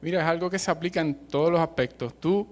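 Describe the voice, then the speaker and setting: Emphatic Puerto Rican preacher, high voice. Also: male voice, fast. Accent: Puerto Rican Spanish. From Puerto Rico. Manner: passionate, emphatic, uses colloquial slang and humor. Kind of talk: sermon.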